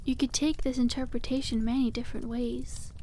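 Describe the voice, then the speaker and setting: Woman acting a high-voiced, sweet young witch shopkeeper. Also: level tone, brisk, mellow, slight background noise, close to an everyday voice. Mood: playful, sweet. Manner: sweet, whimsical, giggly, genteel storybook phrasing. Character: cute, cheerful young witch running a dragon egg shop. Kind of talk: ASMR roleplay.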